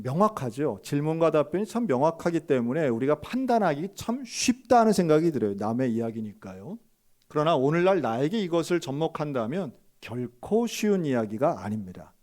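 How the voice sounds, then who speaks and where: A middle-aged man preaching a sermon as a pastor, telling a story and acting out the quoted questions and answers, often putting direct questions to his congregation. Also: a little high. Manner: storytelling, acts out quoted dialogue with sharp rises.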